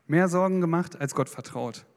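High-voiced preacher in an echoing hall. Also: male voice, normal speed. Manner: lively, dramatizing with acted-out prayers. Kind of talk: sermon. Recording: long hall reverb with faint guitar.

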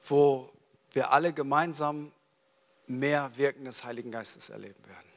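A man preaching a sermon in a lively storytelling way, acting out little dialogues as he goes. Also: medium pitch, moderate pace. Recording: reverberant hall.

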